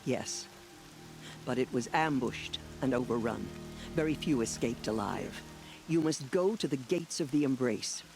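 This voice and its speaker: A woman playing a solemn, reverent old tribal matriarch in a video game, with a gravelly, aged voice. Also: a bass voice, lively intonation, a little slow, heavily acted. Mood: solemn, urgent. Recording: loud music behind the voice.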